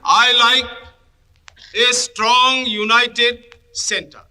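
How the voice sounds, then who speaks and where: A man delivers formal parliamentary oratory in a measured, emphatic manner, broken into short phrases. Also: very high voice, flat delivery, sharp tone, clean tone.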